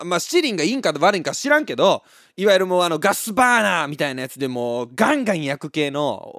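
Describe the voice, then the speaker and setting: A man from Osaka with a Kansai accent, telling a casual story as a monologue, animated and often laughing. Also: high-pitched, no room sound, studio quality. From Osaka, Japan.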